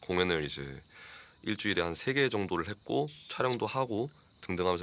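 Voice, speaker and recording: Very deep and low, a man's voice moves through very wide pitch swings at a fairly quick pace. The recording is very clean, with a silent background. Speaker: ASMR channel host and performer. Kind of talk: casual chat.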